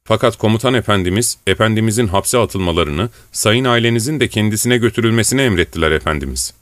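A gruff army sergeant, as a male reader puts him on, stiffly deferential to his superiors. He speaks deep and a little quiet, and the sound is dry. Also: animated, fast, dry recording, natural voice.

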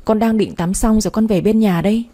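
A woman voicing a gentle young man who softly reassures his girlfriend in a storybook reading. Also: medium pitch, fairly even intonation, brisk, lightly acted.

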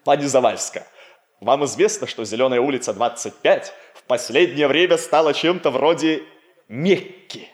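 Actor playing a solemn declaiming messenger. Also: male voice, mid-range voice, normal speed, close to an everyday voice. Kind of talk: 1960s Soviet radio comedy acting.

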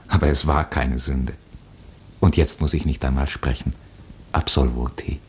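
A man acting as an earnest, consoling Catholic chaplain in a radio play, with measured, gentle solemnity. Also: a bass voice, a little hiss or hum.

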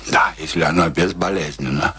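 An actor in a radio play playing an ailing, stubborn, embittered old soldier, gruff and scornful, afraid of death. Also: male voice, a bass voice, moderate pace, bright, forceful tone, slight background noise. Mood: weary, fearful. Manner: gruff, scornful, theatrical outbursts.

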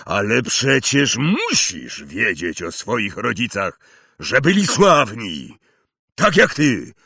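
Hagrid, a man doing a booming half-giant. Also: huge pitch swings, gravelly, pushed and bright, breathy edge, dry recording, clean studio sound, heavily acted. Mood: angry. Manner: booming, slow, emphatic outbursts. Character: huge gruff male half-giant, hot-tempered.

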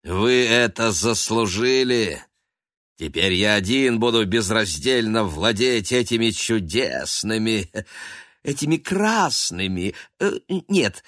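A man's voice: medium pitch, fairly bright tone, dry recording, studio quality, voice pushed up. A man voicing a menacing black male cat sorcerer who hisses threats and shrieks curses, for a storybook. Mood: gloating. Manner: sly, then shrieking curses.

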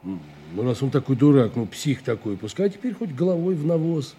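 A man's voice: medium pitch, very animated, brisk, warm tone, slightly rough. An actor playing an evasive, uneducated working-class man in an audio drama, cocky and folksy, with colloquial chuckling speech. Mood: uneasy, shifty. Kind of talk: Russian audio drama acting.

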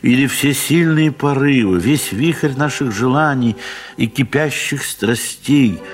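Guy reading old literary story for soviet radio play, dramatic pauses, mid voice, faint music. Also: mid-range voice. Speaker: narrator.

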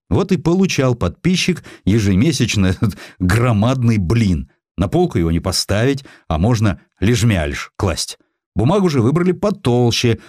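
A man's voice: fairly low pitch, darkish tone, no echo, clean studio sound. A man reading a historical sketch as scripted narration, as an audiobook narrator.

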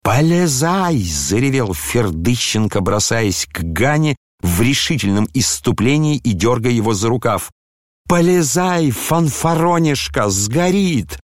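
A man voicing a frantic, pushy hanger-on in an audiobook, yelling in shrill, jeering shouts. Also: expressive, moderate pace, few pauses, no echo, studio quality. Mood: frenzied. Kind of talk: audiobook character reading.

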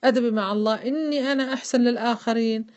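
A woman's voice: on the high side, fairly even intonation, darkish tone. A woman with a Levantine Arabic accent giving a casual religious lesson to women. She often checks whether her listeners follow her. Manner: fast, conversational, often asks listeners if they follow. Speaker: religious teacher. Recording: dull lo-fi recording.

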